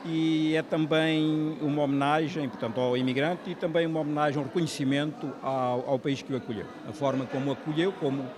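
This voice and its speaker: A man, an author explaining his book in an interview, measured and full of hesitations. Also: fairly high pitch, steady tone. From Portugal. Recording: outdoor crowd chatter behind.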